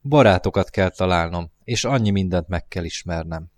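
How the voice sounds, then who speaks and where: A curious little prince asks question after question in a storybook reading, played by a man. The voice stays deep and low, polite and wondering. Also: close to an everyday voice. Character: curious young boy prince, polite and searching.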